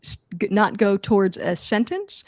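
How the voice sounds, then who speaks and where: A woman's voice: medium pitch, very animated, moderate pace. A woman with a Philadelphia accent talks in a chatty, self-deprecating way and laughs easily. She co-hosts a casual livestream from her home office. The sound is close and dry, with no room echo. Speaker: co-host.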